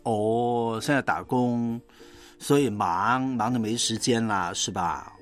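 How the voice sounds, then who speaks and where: A man's voice: medium pitch, slow, faint music behind. A man from Guangdong with a Cantonese accent hosts a radio phone-in conversationally, encouraging and often echoing what he is told. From Guangdong, southern China. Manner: encouraging, asks and echoes back. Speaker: Christian radio host.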